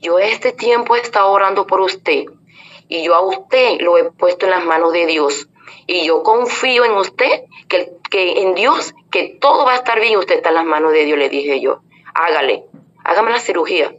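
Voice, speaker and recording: A woman's voice: lowish voice, animated, normal speed. A woman giving an earnest spoken religious testimony, addressing her listeners as brothers and sisters and retelling conversations in quoted speech. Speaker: church member giving testimony. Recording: dull lo-fi audio with faint noise.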